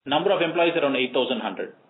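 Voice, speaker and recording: A man with an Indian accent, a company executive answering questions on a conference call, halting and rephrasing his points. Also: medium pitch, expressive. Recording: tinny phone-line audio with noise.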